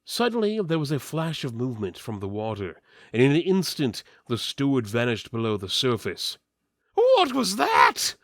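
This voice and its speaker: A man's voice: mid-range voice, moderate pace, no echo. A man giving a mock-serious dramatic reading of fantasy fiction, narrating theatrically while keeping a straight face. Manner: theatrical, deadpan delivery of absurd lines.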